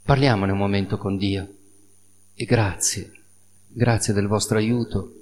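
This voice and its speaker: A male priest giving a sermon, telling the story in a lively way with spoken sound effects. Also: lowish voice, measured pace. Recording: reverberant hall with faint noise.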